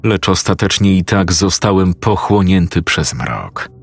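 A man reading a first-person horror story in a grave, measured, scripted way. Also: low-pitched, expressive, breathy edge. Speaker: narrator.

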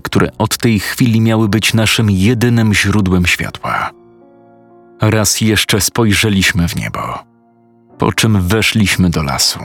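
Low-voiced man telling a crude horror story. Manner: crude, casual, self-mocking. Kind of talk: first-person horror story narration.

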